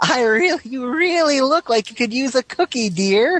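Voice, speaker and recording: A female-sounding voice puts on a character voice. It is high-pitched and fairly slow. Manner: sweet, motherly, coaxing.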